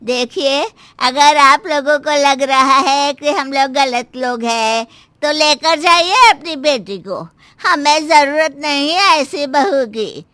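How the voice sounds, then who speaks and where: A woman's voice: high voice, slow, sharp tone, no echo, full character voice. A woman voicing a proud, stern middle-aged mother-in-law in a cartoon story, with a commanding, scolding manner. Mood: angry. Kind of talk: Hindi cartoon voice acting.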